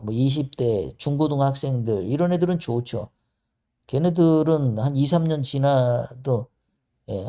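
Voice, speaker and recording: A man's voice: a little high, mellow. A middle-aged man giving an emphatic, sarcastic political commentary monologue.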